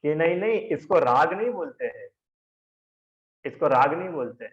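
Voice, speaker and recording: A man's voice: a little high, lively intonation, normal speed. A male teacher giving a class lecture, arguing through rhetorical questions and answers and quizzing his students by name. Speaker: religion teacher. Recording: roomy, dull lo-fi recording.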